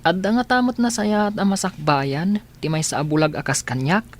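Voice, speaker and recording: A woman's voice: lowish voice, a little fast, close to an everyday voice. A woman voicing an earnest blind schoolchild who asks wistful questions.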